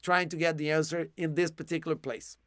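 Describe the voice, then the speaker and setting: A man's voice: a little high, little pitch movement, fairly quick, fairly bright tone, dry recording, clean studio sound. A man teaching English in a live one-to-one online lesson, explaining words patiently with many fillers and restarts, his voice tiring. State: losing his voice.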